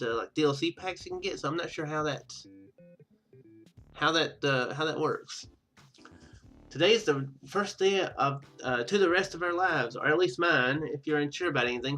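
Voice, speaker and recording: Bright-voiced man narrating a video game. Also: fairly high pitch, poor audio. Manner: rambling, thinking out loud. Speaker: gaming video host. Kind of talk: casual let's play commentary, reading game text aloud.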